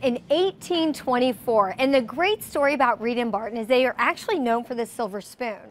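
A middle-aged woman, a brand guest on a live TV shopping show, describing flatware patterns in a studio. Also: a little high, fairly quick. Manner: warm, descriptive product talk. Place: TV studio set.

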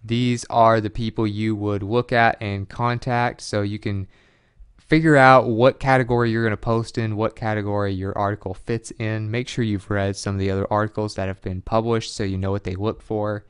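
Tutorial host, male, clear, dry close-mic sound, loose, chatty delivery with fillers. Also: fairly low pitch, level tone, moderate pace, no room sound. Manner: loose and conversational, frequent fillers, reads out web addresses. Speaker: online money tutorial presenter. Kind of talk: casual screen-share walkthrough.

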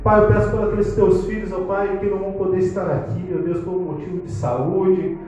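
A man's voice: sits high, fairly even intonation, a little fast, warm tone, a little hiss or hum. A man in his thirties leading a fervent church prayer on a handheld mic, repeating "ó Pai" and "ó Deus" between phrases. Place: small church hall, indoors. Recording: very echoey room, slightly dull sound.

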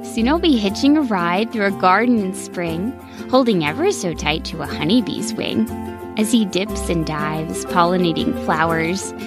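A woman voicing an eager little girl fox in a storybook, excited and pleading. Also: medium pitch, moderate pace, music in the background, close to an everyday voice.

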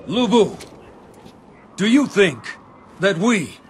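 An actor playing a wary strategist in a game cutscene, measured and questioning. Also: male voice, sits high, very animated, slight background noise, heavily acted. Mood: doubtful.

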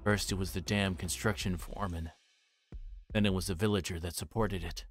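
Male game streamer, lowish pitch, casual and hesitant, reading story text over faint music. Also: fairly even intonation, fairly quick. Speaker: livestreamer. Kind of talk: casual livestream chat and reading visual novel text aloud.

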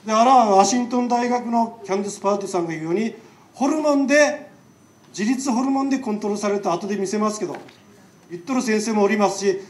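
A man with a Nagasaki accent lectures in a high voice, talking in a chatty way and throwing questions at his listeners. He is picked up from a distance in an echoing hall. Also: a little hiss or hum. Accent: Nagasaki dialect. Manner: chatty, rhetorical questions to the audience. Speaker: lecturing doctor. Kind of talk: public lecture. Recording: echoey hall, mic far off.

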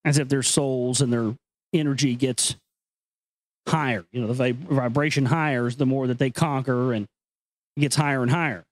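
A man's voice: medium pitch, fairly even intonation, normal speed, no room sound, rough recording. A man hosting a show, moving between dramatic reading and casual, earnest, conspiratorial commentary. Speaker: host reading an ancient text with commentary.

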